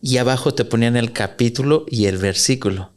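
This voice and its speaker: A man co-hosting a casual podcast, explaining things haltingly with lots of fillers. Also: mid-range voice. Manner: hesitant, filler-heavy explaining. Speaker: podcast co-host.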